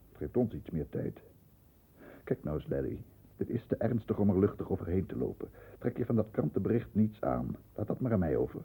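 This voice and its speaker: An actor plays both narrator and lead in a 1960s Dutch radio thriller, narrating in the first person. His male voice is deep, husky, and warm with a gravelly edge and an exaggerated delivery, portraying a stern, controlled barrister who shields his wayward brother while recounting events.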